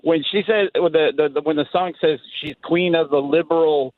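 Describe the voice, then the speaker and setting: A man's voice: on the high side, steady tone, normal speed, no echo. A man calling in to a radio show from Dallas, casual and rambling with many fillers. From Dallas, Texas. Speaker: caller. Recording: phone line.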